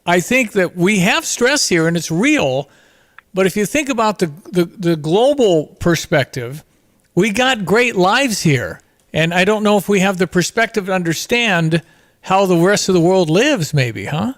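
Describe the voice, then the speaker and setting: High-pitched male radio host. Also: lively intonation, a little slow. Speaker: radio morning show host. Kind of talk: live radio interview, casual chat.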